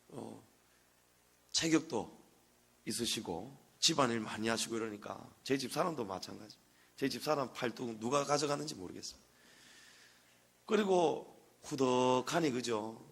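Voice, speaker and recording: Husky-voiced male pastor preaching. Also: medium pitch, a bit bright. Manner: anecdotal, rising to emphatic preaching. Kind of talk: sermon. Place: church sanctuary.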